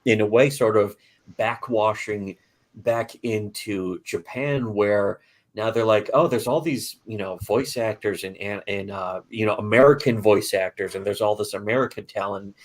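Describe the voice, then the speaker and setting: Lower-voiced man, hesitant and thoughtful. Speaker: guest. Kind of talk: casual chat.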